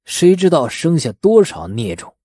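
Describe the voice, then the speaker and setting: Audiobook role: male narrator as embittered old village man, drawling slowly with scorn, swinging pitch. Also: sing-song, warm tone, breathy edge, no echo, clean studio sound. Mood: gloating, scornful. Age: older. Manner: slow, drawn-out, scornful drawl. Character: bitter, sneering old village man smoking a pipe. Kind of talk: audiobook character acting.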